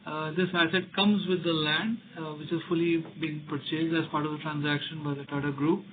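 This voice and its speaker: A man's voice: on the high side, steady tone, fairly quick. A man with an Indian accent answering investors as a company executive on an earnings call, often repeating words as he explains. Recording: tinny phone line with background noise.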